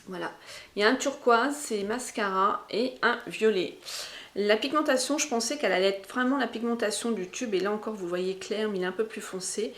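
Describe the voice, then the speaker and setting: A woman's voice: medium pitch, fairly quick, fairly bright tone. A woman with a Berrichon accent chats through a makeup haul, talking to her viewers directly. She is talkative and enthusiastic and uses a lot of slang, at a voice height typical for a woman. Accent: Berrichon French. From Berry, France. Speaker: beauty vlogger.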